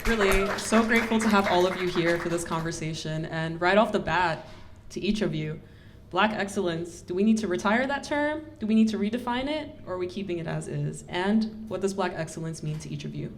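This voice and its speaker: A woman's voice: lowish voice, fairly quick, hardly any pauses, slight background noise. Gracious woman hosting a live panel. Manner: warm, gracious, eager. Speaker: podcast host.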